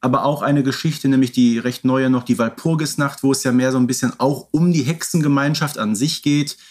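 A man co-hosting a podcast, chatting and explaining things in a measured, playful way. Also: mid-range voice, steady tone, a little mellow. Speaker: podcast co-host. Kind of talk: chatty fan podcast talk.

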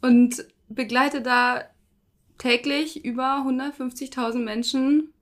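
A woman's voice: high voice, fairly even intonation, slow. A woman in her twenties from Munich, a fitness influencer and podcast guest, speaking casually with lots of hesitation. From Munich, Germany. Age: 20s. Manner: hesitant, many fillers and restarts.

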